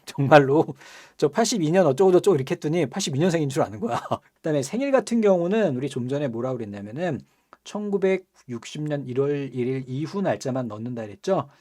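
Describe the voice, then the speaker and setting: Chatty man teaching software, mellow voice. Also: a little high, big pitch swings, fast talker. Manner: chatty, asks students rhetorical questions, laughs often. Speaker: computer skills instructor. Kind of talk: screen-recorded software tutorial.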